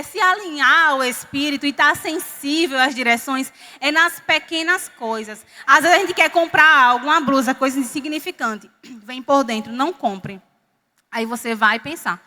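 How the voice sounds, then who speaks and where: A woman from Northeastern Brazil preaching a sermon, telling a personal story with lively quoted dialogue. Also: high-pitched. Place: church hall. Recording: reverberant church hall.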